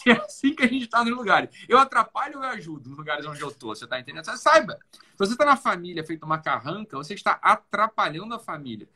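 A man's voice: high-pitched, big pitch swings, quick pace, pushed and bright, slightly rough. A man hosting a live stream, talking in an emphatic, casual way. He repeats himself insistently and speaks bluntly, sometimes swearing.

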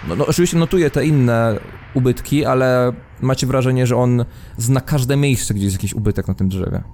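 A man's voice: medium pitch, normal speed, a little mellow. A man working as game master, improvising narration for a tabletop role-playing game. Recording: faint background noise.

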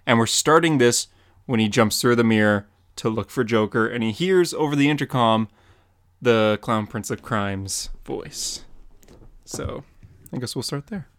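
A man's voice: medium pitch, expressive, measured pace, fairly bright tone. A young man co-hosting a podcast, chatting casually and narrating comic book scenes.

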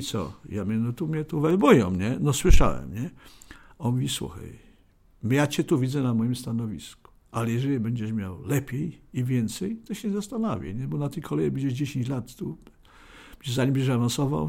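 A man's voice: medium pitch, gravelly, darkish tone. An older man telling the story of his working life in a rambling oral-history style, often adding a questioning aside at the end of a sentence and acting out what people said. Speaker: interviewee recounting his life.

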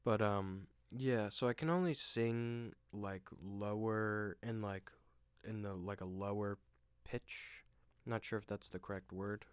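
A young man hosting a solo podcast, rambling and self-deprecating with lots of fillers and restarts, with a deep voice. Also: slow pace, clean tone, no room sound, clean studio sound. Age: young adult. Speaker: podcast host. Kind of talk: casual solo monologue. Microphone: desk microphone at home.

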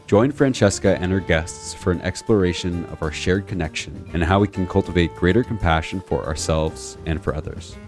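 A man reading a scripted podcast introduction in a measured, even delivery. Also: deep voice. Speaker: announcer. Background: faint guitar music.

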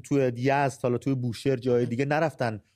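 A man's voice: medium pitch, little pitch movement, darkish tone. Earnest Persian-speaking male podcast host. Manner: earnest, rhetorical questioning. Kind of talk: live call-in podcast chat.

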